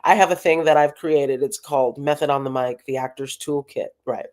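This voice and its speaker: A talent manager, a woman, explaining things in a live video-call interview, animated and repeating phrases for emphasis. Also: a bass voice, normal speed.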